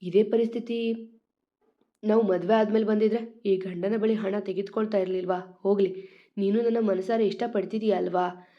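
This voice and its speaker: A woman's voice: medium pitch, fairly even intonation, normal speed, highs cut off, lightly acted. A woman voicing an earnest young man, devoted to his girlfriend, speaking in a pleading, emotional way. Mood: tender.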